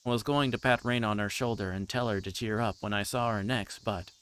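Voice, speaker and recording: A man livestreaming a visual novel, reading story text aloud and adding halting, informal asides. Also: fairly low pitch, steady tone, a bit bright. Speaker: streamer playing a visual novel. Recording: clear background noise, insect-like ambience.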